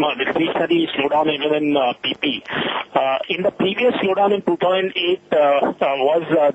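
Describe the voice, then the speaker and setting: Higher-pitched man on a noisy phone line. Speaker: analyst asking questions. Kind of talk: earnings call question. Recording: noisy, dull telephone line.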